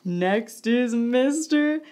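A young woman teaches toddlers in a bright, sing-song manner, stretching every word out very slowly. Her voice sits high and she slips into playful animal sounds as she goes. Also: lively intonation, slight background noise. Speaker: children's show host.

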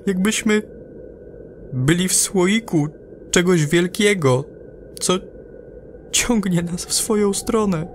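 An actor playing a frightened, overwrought space explorer in an audio drama, speaking in halting fragments. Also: medium pitch, a little hiss or hum, lightly acted. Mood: fearful, stunned. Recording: music under the voice. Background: music.

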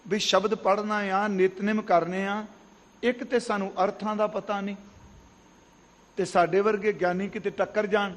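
A man giving a Sikh katha sermon in an earnest, explanatory way, often asking rhetorical questions. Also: sits high. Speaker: katha preacher. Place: large gurdwara hall. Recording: long hall reverb.

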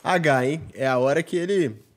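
A man hosting a gaming video, chatting excitedly with a friend while playing. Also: fairly high pitch, moderate pace. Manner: excitable, shouts and laughs often. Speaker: gaming channel host. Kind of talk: excited gameplay chat.

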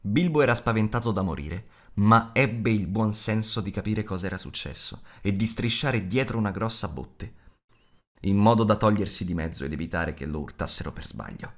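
A man narrating an audiobook in an expressive, measured storytelling manner. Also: lowish voice.

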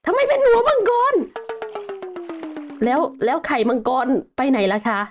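Young woman, very high voice, lively swooping pitch, playful gaming commentary, music behind. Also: normal speed. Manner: excitable, playful, talks to the dragon, frequent laughs and exclamations. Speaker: Minecraft let's-play host. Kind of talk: casual gameplay commentary.

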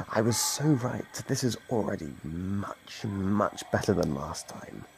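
Guy doing a gleeful predatory monster for asmr horror, lowish and super gravelly, mock polite, taunting you. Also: animated, a little mellow, slight background noise, exaggerated voice, poor audio. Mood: gleeful, excited. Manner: slow, savoring, mockingly polite menace. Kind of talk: ASMR horror roleplay, addressing the listener.

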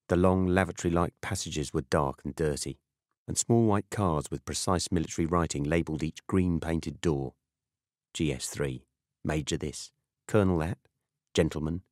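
A British man with a deep, slightly mellow voice narrates a first-person novel in a measured, dry delivery. The scripted audiobook recording is close-miked with no room sound.

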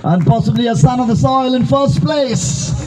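A booming event announcer, a man, calls out pumped-up and very high in pitch. He stretches his words for a prize ceremony, with loud music and a crowd behind him. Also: poor audio. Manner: booming, pumped-up announcer delivery with drawn-out shouts. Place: outdoor sports ground stage.

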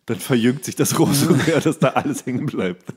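A man's voice: medium pitch, lively intonation, brisk, husky. A man co-hosting a podcast in casual, jokey banter, playfully riffing as he chats. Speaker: podcast co-host.

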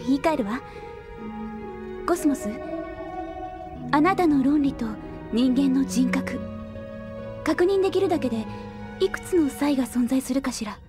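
An actress playing a thoughtful, earnest young woman scientist in a Japanese audio drama, musing with hesitant pauses and soft trailing phrases. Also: sits high, animated, music in the background. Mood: pensive, wistful.

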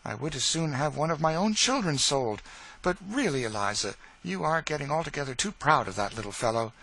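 A man voicing a brisk, kindly lady of the house in an audiobook, gently scolding and reassuring. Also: a little high, lively intonation, vocal fry, pitched above the performer's own voice, full character voice, rough recording. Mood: chiding reassuring.

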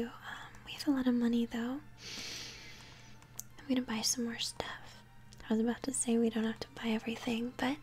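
A young woman giving gentle, chatty game commentary in a soft, breathy ASMR whisper. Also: a little high. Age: young adult. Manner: gentle, chatty, unhurried narration of play. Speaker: game streamer, host. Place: small home room, indoors. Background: game music.

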